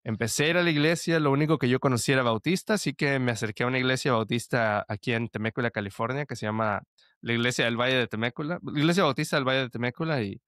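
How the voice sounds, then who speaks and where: A man's voice: medium pitch, fast talker, fairly bright tone, no echo, clean studio sound. A young man telling his story as a podcast guest, earnest and full of restarts. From El Salvador. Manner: earnest, with frequent restarts and fillers like "este". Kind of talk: conversational testimony.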